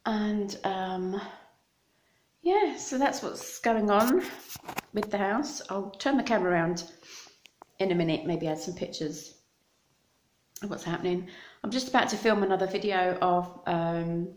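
A woman's voice: mid-range voice, unhurried, pauses often, echoey room. A middle-aged woman with an English accent, chatting to her phone camera from a room in her house, rambling between topics with a dry mouth. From Scotland. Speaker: vlogger. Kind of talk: casual chat to camera. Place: small room in a house, indoors. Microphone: phone camera held close.

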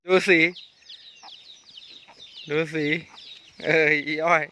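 A man filming his cattle on a farm outdoors, chatting excitedly in casual commentary and often laughing. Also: very slow, a little hiss or hum. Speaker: farm vlogger. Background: birds and chickens, faint outdoor ambience.

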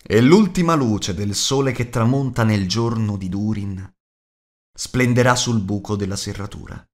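Man as a elf lord, wise, grave, measured, explanatory, storybook. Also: fairly low pitch, darkish tone, lightly acted. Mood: solemn reading.

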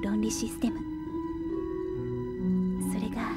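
A high, youthful voice plays an earnest woman scientist in an audio drama. She is gently searching and thoughtful, letting phrases trail off in musing pauses. Music plays behind her. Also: completely flat delivery. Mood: pensive, wistful. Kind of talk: Japanese audio drama acting.

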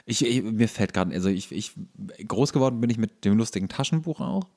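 A man co-hosting a podcast in casual chat, explaining things in a halting, searching way. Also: fairly low pitch, lively intonation, darkish tone. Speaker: podcast co-host.

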